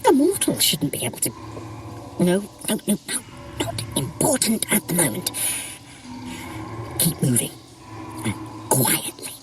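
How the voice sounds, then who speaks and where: Haughty, wildly expressive trickster god. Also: female voice, lowish voice, a little slow, pauses often, noisy background. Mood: uneasy, hushed. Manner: theatrical, condescending, with flustered hesitations. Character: haughty, sardonic trickster god, grudgingly guiding a mortal. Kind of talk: scripted audio adventure acting.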